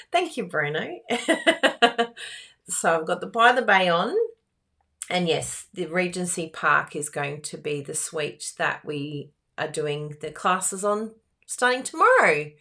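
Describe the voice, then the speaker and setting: A woman with a croaky voice, hosting a live card-making class in a chatty, giggly, self-teasing way. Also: mid-range voice, pushed and bright. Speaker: card-making instructor and livestream host. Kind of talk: live craft class chat.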